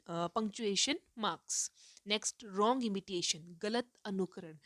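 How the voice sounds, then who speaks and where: Brief: woman lecturer, mid pitch, explains step by step with English terms mixed in, pauses on "uh", dry close recording. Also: no echo. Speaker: teacher. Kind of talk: recorded lecture on teaching reading.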